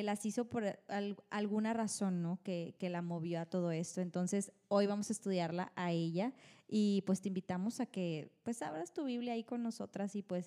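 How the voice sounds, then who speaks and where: A woman opens a faith podcast in an easygoing chat. Her voice is mellow and soft-edged, and she pads her sentences with relaxed filler words. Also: medium pitch. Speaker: podcast co-host. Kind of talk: casual Bible study chat.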